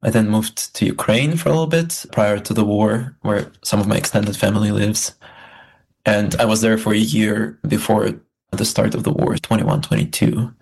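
A young man who grew up in Belarus speaks as an interview guest, measured and reflective, pausing to find his words. His voice is husky and gravelly, sitting on the lower side. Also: fairly even intonation, a little mellow. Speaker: guest, student project founder.

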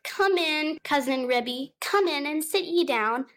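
A woman voicing a tearful, fussy mother cat in a storybook reading, her voice pitched up high and wailing. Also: animated, a little slow, a bit bright. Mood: distressed.

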